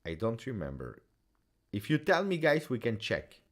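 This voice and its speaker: A man's voice: medium pitch, normal speed. A man whose first language is French hosts a casual football recap, chatting passionately and with many fillers. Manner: animated, passionate, frequent fillers. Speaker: football video host.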